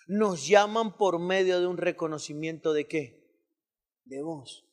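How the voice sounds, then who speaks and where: A man preaching a sermon, calling on the congregation to repeat his words and reading scripture quickly. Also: high voice. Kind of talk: call-and-response sermon.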